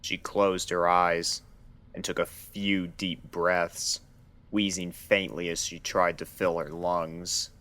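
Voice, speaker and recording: A man reading scripted story narration as the narrator of a dark fan fiction. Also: low voice, level tone, takes it slowly.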